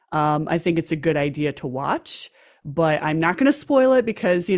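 A woman with an American accent speaks at a fairly quick clip in a fairly low pitch, an unremarkable speaking voice against a quiet background. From Michigan, Flint. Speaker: comedian and former radio host. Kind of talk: casual chat.

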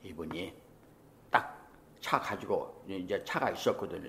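A man at a moderate pace. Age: 60s. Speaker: son of an abducted lawmaker. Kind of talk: interview testimony.

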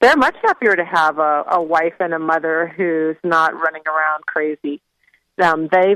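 An unremarkable speaking voice from a woman with an American accent, fairly low in pitch with ordinary pitch variation, at a moderate pace, dry and close with no echo. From US Southwest, Phoenix, Arizona. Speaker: author and ministry communications director. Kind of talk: radio interview.

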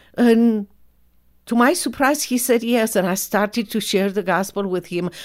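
On a very clean recording with a silent background, a woman talks with a Romanian accent. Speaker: attorney. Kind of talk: testimony.

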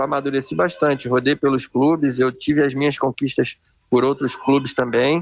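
A man with a Rio de Janeiro accent speaks at a fairly high pitch. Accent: carioca. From Rio de Janeiro, Brazil. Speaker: professional footballer. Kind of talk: radio interview. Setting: radio studio.

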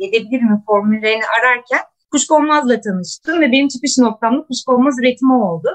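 A woman with a high-pitched voice speaks at a fairly quick pace. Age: 40s. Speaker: asparagus farmer, former corporate employee. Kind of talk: casual interview chat.

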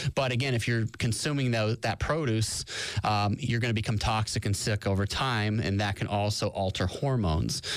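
At a moderate pace, a man with a fairly low pitch uses ordinary pitch variation and very even loudness in a plain, everyday voice. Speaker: health coach radio host. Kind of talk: call-in health advice show.

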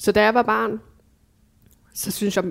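An unremarkable speaking voice with lively intonation at a fairly quick pace, on a very clean recording with a silent background. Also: woman. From Denmark, Afghan family. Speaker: debater and author. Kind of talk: casual chat over a meal.

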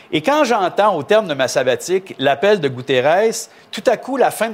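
A man talks at a moderate pace with very wide pitch swings over noticeable background noise. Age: 50s. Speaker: stage director and environmental activist. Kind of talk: interview.

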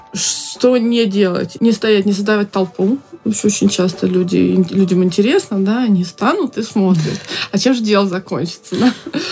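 Music plays in the background. The loudness stays very even, with ordinary pitch variation. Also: woman, medium pitch for a woman, moderate pace. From Moscow, Russia. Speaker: writer. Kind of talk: interview. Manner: halting.

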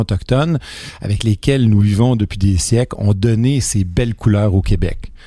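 A man speaks at a moderate pace in a fairly low voice, his tone dark and mellow and his pitch varying in an ordinary way. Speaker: podcast host. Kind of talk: casual chat; scripted narration.

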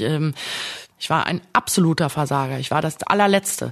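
At a moderate pace, a woman speaks in a plain, everyday voice, fairly low in pitch with ordinary pitch variation. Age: 40s. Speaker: former café owner and author on failure. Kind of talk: interview.

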